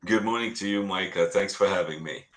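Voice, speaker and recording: A middle-aged man from Lebanon, a real estate agent telling his story in an earnest, halting way full of restarts. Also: low voice, fairly bright tone. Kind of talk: casual interview talk.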